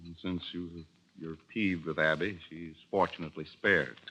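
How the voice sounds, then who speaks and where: An actor playing a weary, patient husband in 1940s radio acting, curt and defensive. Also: male voice, sits low, fairly even intonation, normal speed, bright, forceful tone, a little hiss or hum, rough recording. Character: weary, patient husband, a middle-aged office man.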